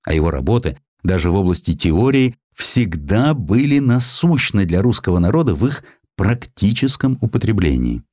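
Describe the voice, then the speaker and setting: Deep-voiced, expressive male narrator. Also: moderate pace, few pauses, no room sound, studio quality. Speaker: audiobook narrator. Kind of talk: scripted literary narration of a historical essay.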